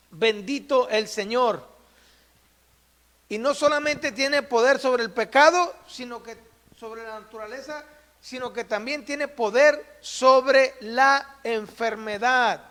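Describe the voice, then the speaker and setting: A man's voice: extremely high pitch, a bit bright. A man preaching a sermon as pastor, retelling Bible stories and acting out their voices while addressing his brothers. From Mexico. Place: church. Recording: long church-hall reverb.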